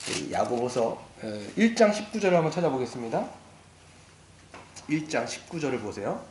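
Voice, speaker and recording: A man preaching a lively sermon as pastor, acting out the attitudes he describes. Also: mid-range voice, brisk, a little hiss or hum. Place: church sanctuary. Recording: echoey church hall.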